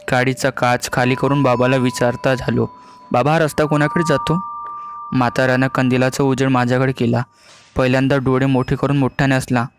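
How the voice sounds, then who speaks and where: A man narrating a horror story in a steady, scripted storytelling voice. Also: mid-range voice. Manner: even, steady storytelling delivery. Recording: faint music behind the voice.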